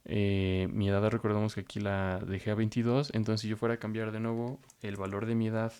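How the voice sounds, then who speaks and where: A man's voice: lowish voice, level tone, fairly quick, darkish tone, smooth. A man teaching programming, walking through code step by step and thinking aloud as he goes. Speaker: programming instructor. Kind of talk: screen-recorded coding tutorial.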